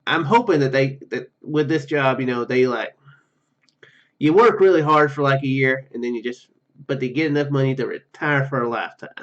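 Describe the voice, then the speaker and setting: A man's voice: mid-range voice, brisk, fairly bright tone, highs cut off. A man hosting a let's play, reading story narration aloud with stumbles and casual asides. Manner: stumbles over words while reading. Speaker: gaming video host.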